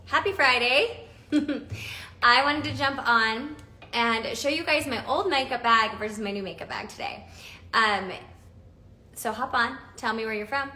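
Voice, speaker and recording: A woman's voice: fairly high pitch, measured pace, sharp tone, roomy sound. A woman in her forties hosting a casual live stream, chatty and bubbly, laughing often as she talks through makeup. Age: 40s.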